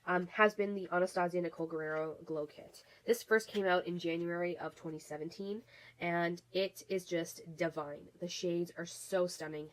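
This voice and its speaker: Woman, beauty vlogger, low-pitched, casual gushing review, lots of fillers, recovering from a cold. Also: poor audio. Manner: chatty, many fillers and restarts, gushing. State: getting over a cold, coughing.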